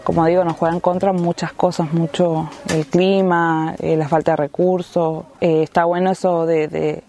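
A young woman farmer from Formosa, talking in a halting way with many fillers. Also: fairly low pitch, little pitch movement, warm tone. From Formosa, Argentina. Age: young adult.

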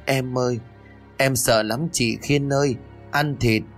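A man's voice: mid-range voice, steady tone, slow pace, soft background music, close to an everyday voice. A man voicing a frightened, childlike, deranged old village woman who pleads, whimpers and repeats herself. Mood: terrified.

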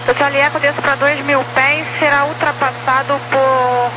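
Over a noisy, humming aviation radio, a woman with a Brazilian accent speaks in a high voice. She is an air traffic controller giving procedural instructions to aircraft. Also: little pitch movement, normal speed. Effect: aviation two-way radio. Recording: noisy radio channel with hum.

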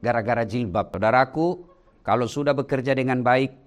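A middle-aged man preaching a joking, animated sermon to office workers and addressing them directly. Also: mid-range voice, fairly quick. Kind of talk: lively workplace sermon.

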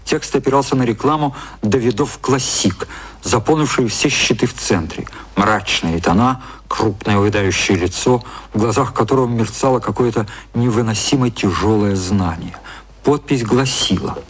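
A man narrating a literary radio play in a measured storytelling style. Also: lowish voice, slightly rough.

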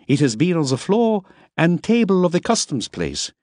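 A man voicing a thin, fussy older foreign gentleman who is impatient and prim about dirt, in an audiobook. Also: high-pitched, wildly swooping pitch, normal speed, no echo, clean studio sound, voice pushed up, exaggerated voice.

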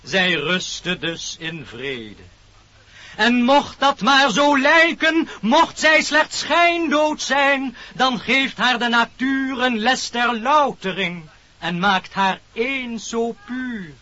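A man's voice: very high voice, slow pace, bright, forceful tone, heavily acted. A man playing a pompous little animal preacher in a radio play, solemnly declaiming rhymed verse like a sermon. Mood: solemn, lofty. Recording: dull old radio recording.

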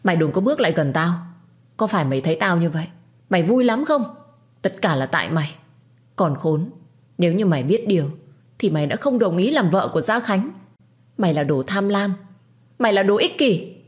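A woman's voice: animated, moderate pace, darkish tone, natural voice. A woman voicing a bitter, jealous young woman who shrieks insults. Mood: furious. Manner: shrill, hurling insults.

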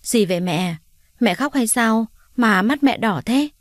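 A woman's voice: a little high, expressive, a little slow, dry recording, clean studio sound. A woman voicing a young woman back from work who asks questions with puzzlement. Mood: puzzled.

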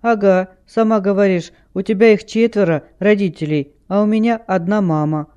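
A man's voice: high-pitched, steady tone, moderate pace, warm tone, clean tone, voice pushed up, natural voice. A man voicing an upset young girl who pleads for help finding her father. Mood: plaintive.

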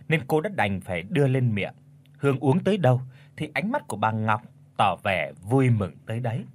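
A man narrating an audio story in a dramatic, expressive way. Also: medium pitch, slightly rough.

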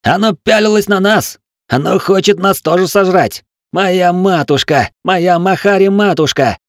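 A man voicing a panicked young male ship gunner who yells frantically in coarse speech. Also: sits high, unhurried, dry recording, studio quality, pitched above the performer's own voice.

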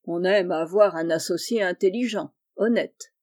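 A woman reading aloud, voicing a kind and wealthy male painter who speaks gently and reassuringly, like a father. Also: lowish voice, normal speed, close to an everyday voice.

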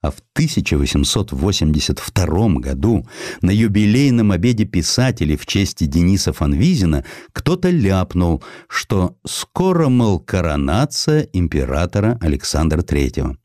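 A man reads a historical essay as an audiobook narrator with theatrical expression. His voice is deep and dark, and it moves in wide, animated swings of pitch. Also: normal speed, no echo, studio quality. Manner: theatrical, declaiming verse and acting out quotes.

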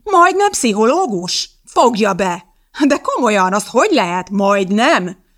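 A woman's voice: medium pitch, sing-song, dry recording, clean studio sound. Woman reading as a sneering female personnel officer. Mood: scornful. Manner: mocking, needling.

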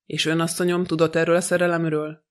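A man voicing a stern, sharp-spoken middle-aged judge in an audiobook, in a level voice. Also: fairly high pitch, completely flat delivery, clear, resonant tone, lightly acted.

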